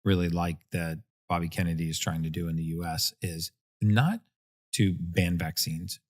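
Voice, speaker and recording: A man's voice: low-pitched, fairly even intonation, normal speed. A man hosting a conversational interview, hesitant and full of fillers, often murmuring agreement. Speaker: interview host.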